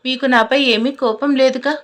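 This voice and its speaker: Brief: woman voicing kind young man, soft emotional pleading, higher-pitched, audio storybook. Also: steady tone, normal speed. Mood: tender. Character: gentle, caring young man, tearful and kind.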